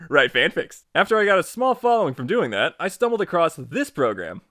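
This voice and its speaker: Casting: male tutorial host, fairly high voice, very animated, chatty and emphatic scripted delivery. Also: brisk, no room sound, studio quality. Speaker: YouTube host and tutorial creator. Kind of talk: lively scripted promo narration. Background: music.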